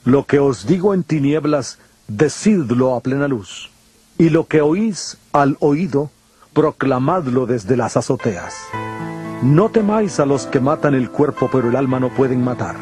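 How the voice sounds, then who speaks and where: A man acts out a solemn, authoritative holy teacher instructing his disciples. His mid-pitched voice exhorts in measured, grave phrases. The dramatized scripture reading plays over clear background music. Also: lively intonation, darkish tone, natural voice. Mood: solemn, reassuring.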